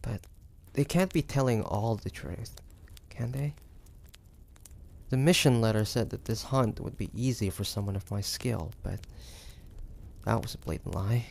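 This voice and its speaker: Guy playing a suspicious old-time demon hunter in an audio roleplay, slow and gravelly, stubborn, kinda halting. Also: lowish voice, a little mellow. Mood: grudgingly convinced. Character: wary, stubborn male demon hunter of the 1850s. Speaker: voice actor. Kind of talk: dramatic roleplay audio acting.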